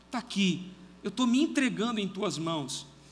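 A man speaks at a moderate pace with lively intonation. Room echo is audible. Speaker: pastor. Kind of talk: sermon. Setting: church. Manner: animated.

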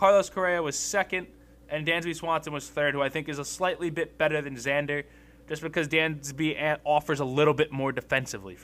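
A man with an ordinary speaking voice talks at a fairly high pitch and a fairly quick pace. His pitch variation is ordinary, while his loudness swings a lot. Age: 20s. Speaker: sports podcast host. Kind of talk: spoken apology statement; solo sports podcast commentary.

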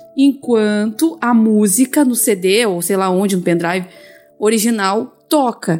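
A woman's fairly high voice with a southern Brazilian accent, very slow and with ordinary pitch variation, over music in the background. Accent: southern Brazilian (gaúcho) Portuguese. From Rio Grande do Sul, Brazil (Triunfo, near Porto Alegre). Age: 30s. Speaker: blind musician. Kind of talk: interview. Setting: call.

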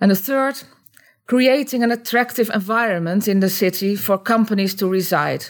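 This woman speaks with a Dutch accent at a moderate pace. Her pitch sits in the middle of her range and varies in an ordinary way. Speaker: deputy mayor. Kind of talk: webinar presentation. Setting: video call. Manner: halting.

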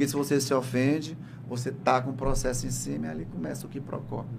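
The man's pace is fairly quick. Audible room echo surrounds the voice. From Brazil, Piauí. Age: 50s. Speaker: comedian. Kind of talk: casual chat.

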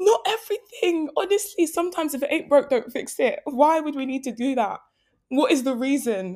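On a very clean recording with a silent background, a woman with a high pitch and a dark, mellow tone speaks. She moves at a fairly quick pace with very wide pitch swings. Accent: London. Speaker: podcast co-host. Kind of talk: casual chat.

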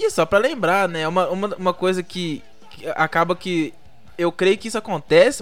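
A man speaks at a moderate pace in a high voice, his intonation lively. Music plays in the background. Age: 20s. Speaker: radio host. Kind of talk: casual chat.

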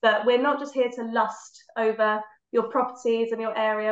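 This woman has a normal speaking voice, fairly high in pitch, and talks at a moderate pace. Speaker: podcast host. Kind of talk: interview. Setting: video call. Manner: giggly.

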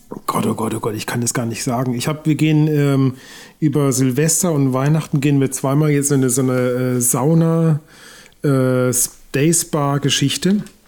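A man speaks in a fairly high voice with a dark, mellow tone. His intonation stays fairly even. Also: moderate pace. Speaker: podcast co-host. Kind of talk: casual chat. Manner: coughing.

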